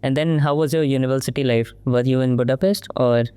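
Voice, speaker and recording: A man's voice: medium pitch, steady tone, fast talker, dark tone, clean tone, dry recording. A man hosting a podcast, asking his guest short prompting questions. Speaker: podcast host. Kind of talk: interview questions.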